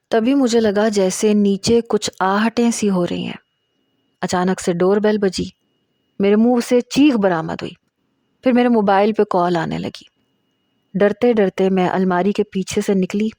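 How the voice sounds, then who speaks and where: A woman's voice: medium pitch, mellow, no room sound, clean studio sound. A woman narrating a suspenseful first-person story in a tense telling.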